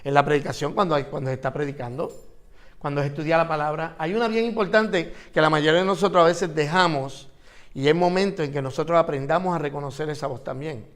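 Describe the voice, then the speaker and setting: A man's voice: on the high side, fast, a bit bright. A man teaching an interactive Bible class, asking his students questions and repeating phrases for emphasis.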